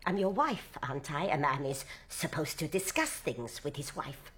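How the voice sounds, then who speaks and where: A woman's voice: low voice, sing-song, normal speed, fairly bright tone, a little hiss or hum. An actress playing a fiery, bitterly disappointed working-class Jewish wife and mother, scolding and sarcastic, in a dramatic stage style. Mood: bitter sarcasm. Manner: scolding, sarcastic, emotionally volatile. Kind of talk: dramatic stage-play acting.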